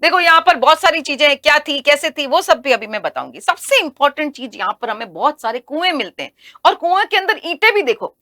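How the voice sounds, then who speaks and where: A high, bright woman's voice teaches history in a recorded studio lesson. She is lively and keeps asking questions and answering them herself. The sound is dry and close. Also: brisk, dry recording. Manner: animated, asks and answers her own questions.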